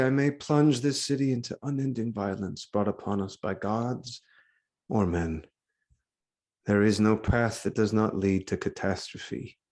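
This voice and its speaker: An actor playing a troubled, grave king in a live reading of Greek tragedy, with weighty, deliberate delivery. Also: medium pitch, lightly acted. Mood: anguished, subdued. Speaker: actor giving a dramatic reading. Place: online video call.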